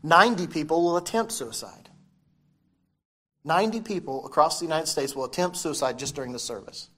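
A man delivers a sermon in a slightly high voice. He repeats key phrases and puts questions straight to his congregation. His words are slightly impeded by the braces on his teeth. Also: lively intonation, fairly quick, fairly bright tone, slightly rough. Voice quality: slightly impeded articulation from wearing dental braces. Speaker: preacher.

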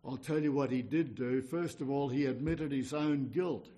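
A man's voice: medium pitch, normal speed, mellow. A man preaching an evangelical sermon in an earnest, exhorting manner, often repeating phrases and posing questions.

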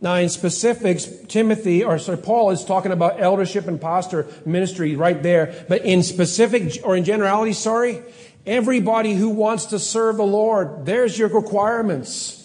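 A middle-aged man from Canada preaching a sermon as pastor, earnest, reading scripture slowly and with emphasis, sometimes correcting himself. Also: sits high, darkish tone. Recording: long hall reverb.

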